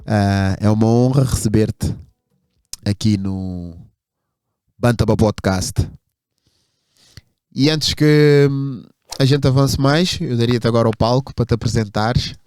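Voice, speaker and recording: A man's voice: mid-range voice, unhurried, pauses often, a little mellow, clear, resonant tone, dry recording, clean studio sound. A man, hosting a casual podcast interview and putting questions to a guest. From Portugal. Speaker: podcast host.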